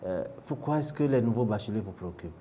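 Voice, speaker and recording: A man's voice: fairly low pitch, lively intonation, fast talker, dark tone, slight background noise. A man working as a journalist, reading a formal scripted introduction and then asking interview questions. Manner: formal, announcing. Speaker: journalist host.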